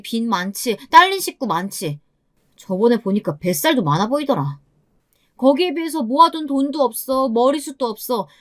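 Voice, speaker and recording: A woman voicing a blunt young female friend who scolds and lists complaints in an animated way. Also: fairly high pitch, no room sound, clean studio sound, voice pushed up.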